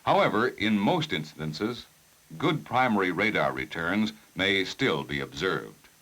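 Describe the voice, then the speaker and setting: Male narrator for vintage 1960s technical training film; lowish pitch, lively inflection, measured formal delivery, careful enunciation. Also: low-quality recording.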